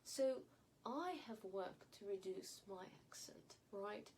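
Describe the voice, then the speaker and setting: A woman's voice: mid-range voice, lively intonation, takes it slowly, a little mellow. A woman from Yemen, an English speaker, gives opinionated commentary to viewers with careful, emphatic elocution. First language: not English (English is her fourth language). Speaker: online commentator. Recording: clear background noise.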